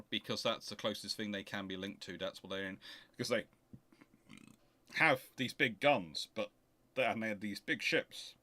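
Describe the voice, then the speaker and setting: Bright-voiced man explaining history off the cuff. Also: on the low side, dry recording. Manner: emphatic, animated argumentative explaining with self-corrections. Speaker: host of a naval history question show. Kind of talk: casual livestream Q&A with rambling explanation.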